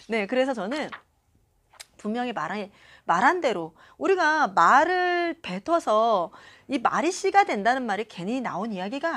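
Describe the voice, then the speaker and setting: A young woman talks casually to her phone camera, commenting on a self-help book. Her voice sits fairly high and swings widely in pitch, and she slips into small acted-out quotes and steady filler affirmations as she goes. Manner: chatty, acts out quoted lines, frequent filler "네".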